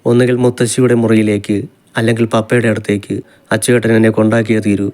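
A man's voice: on the low side, little pitch movement, fast talker, darkish tone, lightly acted. Guy reading as a stubborn teary young wife, pleading and defiant, audiobook. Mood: tearful defiant.

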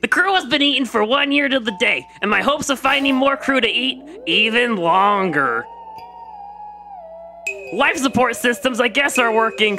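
Woman voicing a bright, high-pitched goofy space monster. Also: exaggerated voice. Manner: slangy, speaks of itself by name. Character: goofy laid-back crew-eating squelchy space monster. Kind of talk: audio drama monster log monologue.

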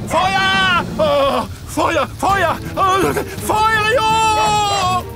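A man's voice: very high-pitched, drawn-out words, a loud crowd, full character voice. An actor playing a grumpy, theatrical old man in a children's cartoon dub. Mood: panicked. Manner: theatrical, exasperated. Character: grumpy old man who just wants to grill in peace. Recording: loud music behind. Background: cartoon music.

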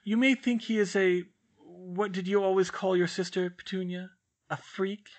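A man voicing a stern, formal older woman professor who speaks in a crisp, clipped, disapproving way. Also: high voice, level tone, normal speed, pitched above the performer's own voice.

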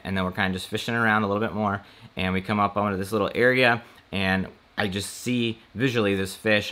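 A man's voice: lowish voice, sharp tone. A young man, a fishing vlogger, giving a casual, matter-of-fact recap of a tournament and where he went wrong. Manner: plain, matter-of-fact, candid self-critique.

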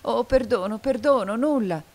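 A woman's voice: sits low, moderate pace, darkish tone, close to an everyday voice. A woman voicing a young woman, an anxious and devoted lover, in an audiobook reading, pleading and often rising toward anguished cries. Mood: tearful.

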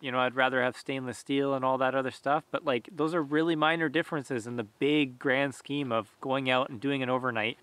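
Bright, dry-sounding man in his thirties, easygoing outdoor vlogger, casual and filler-heavy. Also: mid-range voice, dry recording. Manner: relaxed, conversational, lots of fillers. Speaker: bushcraft channel host. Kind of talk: casual talk to camera. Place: outdoors in a forest. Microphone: camera at close range.

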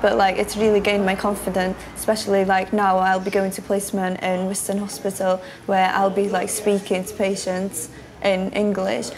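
A woman's voice: medium pitch, monotone, normal speed. A young Welsh woman with a Welsh accent, a student nurse chatting casually in a pub, full of filler "like"s. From Wales. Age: young adult. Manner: chatty, many filler likes. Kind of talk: casual chat. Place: indoors in a pub. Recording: pub background noise.

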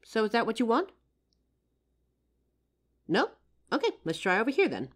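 A woman playing a friendly, curious psychic who helps out in a costume shop, chatting expressively to the listener in a roleplay audio drama. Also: fairly high pitch. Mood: encouraging. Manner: chatty, expressive, with pauses and soft laughs. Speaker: voice actor. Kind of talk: roleplay audio drama, one side of a chat addressed to the listener.

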